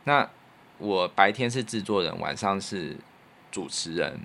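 A man speaks in a fairly low voice with a Taiwanese Mandarin accent. He sounds like a podcast co-host and radio producer thinking aloud in casual conversation. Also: expressive, measured pace, creaky, fairly bright tone. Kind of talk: casual reflective chat.

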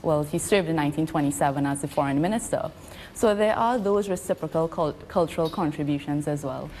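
A woman from Trinidad and Tobago, an ambassador answering interview questions in a measured, diplomatic, informative manner. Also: low voice, a little mellow, long reverb tail, a little hiss or hum.

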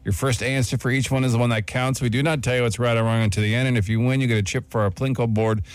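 A man's voice: medium pitch, steady tone, fast, clean tone, no room sound. A man chatting casually as a radio show co-host. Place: radio studio. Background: music bed.

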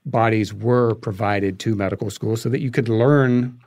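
A man being interviewed as a guest, telling anecdotes conversationally and haltingly as he thinks aloud. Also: lowish voice, fairly even intonation, darkish tone, no room sound.

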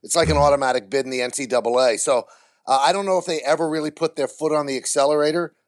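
A man's voice: on the high side, steady tone, fast talker. A man speaking as an interview guest, candid and blunt, with vivid comparisons. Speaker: baseball TV play-by-play announcer, guest.

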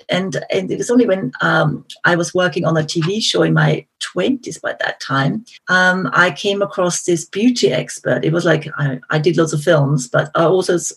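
Austrian lady guest, husky breathy voice, german accent, lots of little restarts. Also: on the low side, a bit bright. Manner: hesitant, with frequent restarts and fillers. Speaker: guest, company founder. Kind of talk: casual interview talk. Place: studio.

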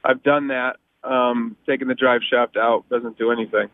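A man calling in to a radio advice show over the phone, talking in a halting way with many ums and uhs. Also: mid-range voice, steady tone, no room sound. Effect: heard over a phone line. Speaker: caller to a car advice show. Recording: tinny phone-line call.

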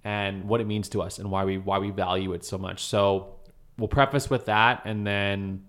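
Lowish-voiced podcast host guy, earnest and encouraging, easygoing chat. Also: fairly even intonation, moderate pace, fairly bright tone. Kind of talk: casual podcast talk.

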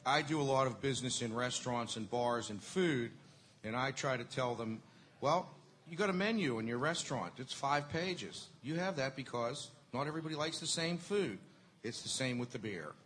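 Bright-voiced man telling a lively story. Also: medium pitch, normal speed, a little hiss or hum. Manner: animated storyteller, laughs often. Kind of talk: casual chat, storytelling.

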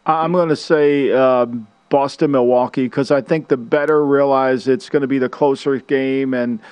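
A male radio co-host with a smooth, resonant voice at a middle pitch. He makes his picks casually, pausing and restarting with fillers as he thinks aloud. The sound is dry and close. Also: steady tone, a little mellow, no echo. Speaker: radio show co-host analyst.

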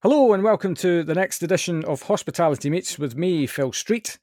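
A man from Scotland with a softened Scottish accent, hosting a podcast in a bright, chatty, self-deprecating way. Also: high-pitched, expressive, brisk, no echo, studio quality. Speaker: podcast host. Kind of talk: upbeat podcast chat.

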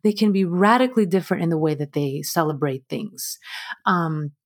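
A woman in her thirties, a relationship coach, giving thoughtful, measured explanations as an interview guest. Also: fairly low pitch. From United States.

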